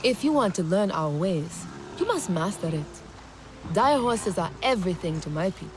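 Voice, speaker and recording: A woman's voice: on the low side, very animated, moderate pace, noisy background. An actress voicing a proud, blunt tribal horsewoman in a video game.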